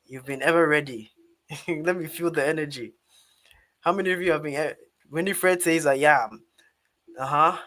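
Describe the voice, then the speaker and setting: A man's voice: a little high, normal speed, pauses often, bright, forceful tone. A Ghanaian man presenting informally as the host of a live webinar, repeating rallying questions and prompts to his audience. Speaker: host and public speaking coach.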